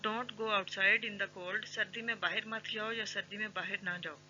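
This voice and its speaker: An English teacher who drills everyday phrases, repeating each one and saying the English lines very slowly and clearly. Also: mid-range voice, fairly even intonation, pushed and bright. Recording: slightly dull sound with faint background music.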